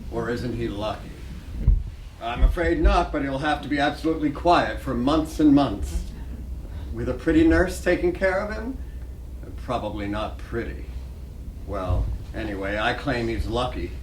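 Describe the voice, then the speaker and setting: An actor in a dramatic stage reading playing a detached, idly musing hotel night clerk lost in morbid daydreams. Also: male voice, mid-range voice, normal speed, close to an everyday voice. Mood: idle curiosity. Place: library reading room, live reading. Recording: distant, echoey, noisy room.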